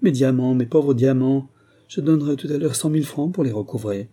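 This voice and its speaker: A man reading aloud, voicing a small, wiry, greedy jeweller who pleads tearfully, in a dark, husky voice. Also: medium pitch, fairly even intonation, a little fast, natural voice. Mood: pleading.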